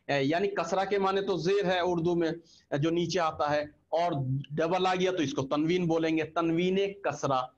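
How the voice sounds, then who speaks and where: A man's voice: a little high, dull audio. A man teaching an online Quran reading class, patiently repeating letter sounds for drilling.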